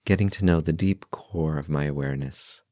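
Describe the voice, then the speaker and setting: Man, very deep bass voice, guided meditation, calm, gentle, unhurried, long pauses, dry recording. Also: no room sound. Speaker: meditation guide, podcast host.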